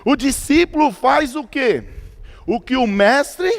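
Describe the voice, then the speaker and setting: A Brazilian pastor preaches in a church hall, his unusually high voice trailing off into a long reverb. He teaches by posing questions and answering them himself, with many fillers and restarts. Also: lively intonation, takes it slowly, gravelly. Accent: Brazilian Portuguese. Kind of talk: sermon.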